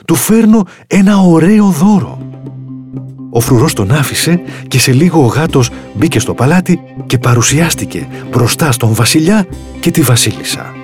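Expressive man reading a storybook. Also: medium pitch, over music. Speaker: narrator.

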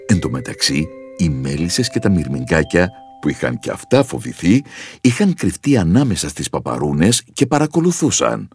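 Deep male narrator for a kids' storybook, animated and expressive. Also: faint music behind.

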